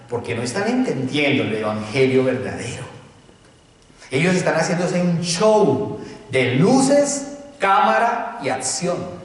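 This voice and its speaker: A man preaching a sermon, driving his points home with emphatic rhetorical questions. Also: on the high side. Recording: distant mic, echoey hall.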